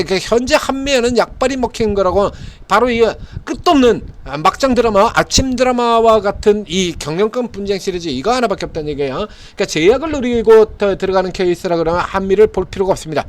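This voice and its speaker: A man giving an informal stock market analysis in an emphatic, repetitive way, keeps tossing in rhetorical "eh?" questions to the viewer. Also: high voice.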